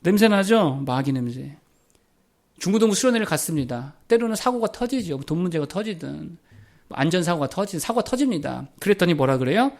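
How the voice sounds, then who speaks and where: A middle-aged man delivers a church sermon in a notably high voice. He asks his listeners one rhetorical question after another. When he quotes people, he sinks into a lower, quieter tone. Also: lively intonation, brisk. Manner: rhetorical questions, drops to a low voice for quoted lines. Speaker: pastor.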